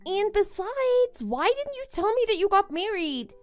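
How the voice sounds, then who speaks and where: Casting: actress as smug bride-to-be for animated story drama, high and very animated, gloating and condescending. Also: female voice, measured pace, soft background music, exaggerated voice. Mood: gloating, taunting. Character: smug, boastful young bride who taunts her friend. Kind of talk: melodramatic animated-story voice acting.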